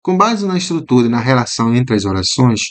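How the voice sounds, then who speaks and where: With big swings in his mid-range pitch, this Brazilian man, speaking with a Brazilian Portuguese accent, is a teacher commenting on exam questions one by one. His style is explanatory, peppered with "né?" tags, and he slows down to repeat words so students hear how they sound.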